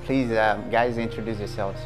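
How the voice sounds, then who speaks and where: A male host opens the show in an upbeat, welcoming way. He speaks at a measured pace and at a middling pitch. Music plays under his voice. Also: fairly even intonation. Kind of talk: hosting an interview.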